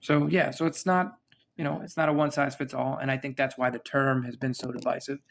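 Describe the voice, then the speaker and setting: Gravelly-voiced man hosting a casual chat. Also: mid-range voice, fairly quick. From United States. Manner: relaxed, rambling with many fillers and restarts. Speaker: podcast host.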